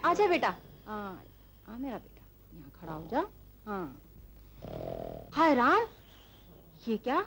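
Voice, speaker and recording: A woman's voice: a little high, sing-song, takes it slowly, pauses often, fairly bright tone, slight background noise, full character voice. An actress playing a kind, motherly village woman who fusses over a boy, on an old film soundtrack. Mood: concerned. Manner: fussing, motherly.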